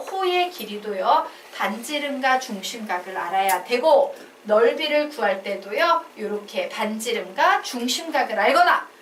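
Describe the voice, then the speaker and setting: Lively, high-voiced woman teaching math. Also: a little hiss or hum. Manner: lively, drills students with call-and-response questions. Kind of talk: classroom lecture. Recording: echoey classroom, mic at a distance.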